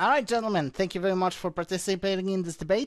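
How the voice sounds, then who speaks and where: A man with a non-native accent against a quiet background. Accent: foreign accent, self-described as horrible. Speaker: debate moderator. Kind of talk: moderating a debate.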